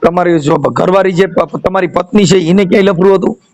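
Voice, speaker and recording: Blunt, fast rural Gujarati man, high voice. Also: a little mellow, no room sound. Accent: Gujarati, rural Saurashtra. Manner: blunt, challenging, reproachful questioning. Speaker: advisor taking a recorded phone call. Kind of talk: confrontational phone conversation.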